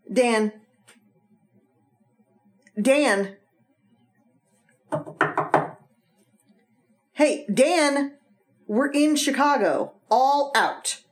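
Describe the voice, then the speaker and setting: An actress playing an attentive, concerned wife in an old-time radio drama, polite and solicitous. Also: female voice, on the high side. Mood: searching, calling.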